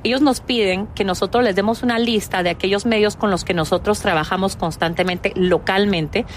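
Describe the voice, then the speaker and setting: A woman from Guatemala, a spokesperson for the host committee, speaks as a friendly studio interview guest who explains things clearly and laughs easily. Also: mid-range voice, steady tone, a little fast, slight background noise.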